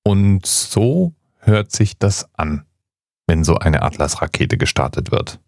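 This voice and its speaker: A man's voice: deep voice, very animated, takes it slowly, darkish tone, no room sound. A man hosting a podcast, explaining things in a conversational narrating style. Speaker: podcast host.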